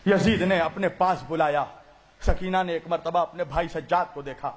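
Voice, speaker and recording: A man from India preaching a mourning sermon with passion, putting questions to the listeners and swinging between loud cries and low grieving tones. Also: fairly even intonation, normal speed. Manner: addresses the audience directly with questions. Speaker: Islamic preacher. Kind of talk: mourning sermon at a religious gathering.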